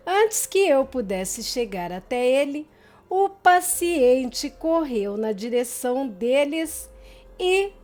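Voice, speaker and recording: A woman reads a gothic horror story aloud in the first person, dramatic and expressive. Her voice sits high and rises and falls in lively sweeps, unhurried and deliberate, with faint music underneath. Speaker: audiobook reader. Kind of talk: scripted narration of a gothic novel.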